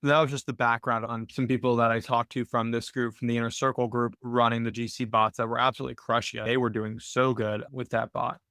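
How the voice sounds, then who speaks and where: Guy hosting a casual q&a, clear smooth mid voice, explains stuff as he thinks it through, dry recording. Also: mid-range voice, little pitch movement, brisk, few pauses, fairly bright tone, no room sound. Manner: conversational, explanatory, thinking aloud. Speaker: host of a trading Q&A call. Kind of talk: casual explanatory screen-share Q&A.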